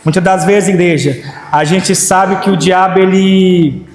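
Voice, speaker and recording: High-voiced man giving testimony in a church. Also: steady tone, a little mellow. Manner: conversational storytelling, halting restarts. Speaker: preacher. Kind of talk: sermon testimony. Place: church hall. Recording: echoey church hall, long reverb.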